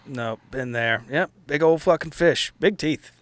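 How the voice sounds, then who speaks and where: A man's voice: on the high side, a little slow. A man chatting casually and improvising as a player in a tabletop roleplaying game.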